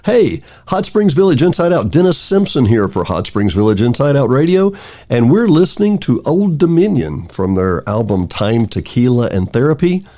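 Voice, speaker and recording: A man hosting a local radio show, talking in a lively, conversational way as he introduces songs and guests. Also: mid-range voice, normal speed.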